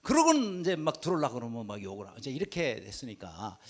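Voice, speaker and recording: A man preaching a Sunday sermon as senior pastor, telling an anecdote and acting out the quoted dialogue with lively swings in voice. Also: mid-range voice, fast talker.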